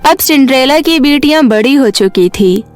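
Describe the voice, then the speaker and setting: A woman narrates a children's story from a script. Her voice is quite high. Music plays underneath the narration. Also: animated, normal speed.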